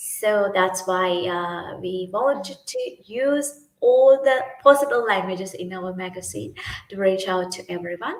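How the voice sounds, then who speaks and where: A woman with a Sri Lankan accent speaks at a fairly slow pace with ordinary pitch variation. Her loudness swings widely. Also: medium pitch for a woman. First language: Sinhala. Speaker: youth climate activist. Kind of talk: livestream presentation. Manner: halting, many fillers.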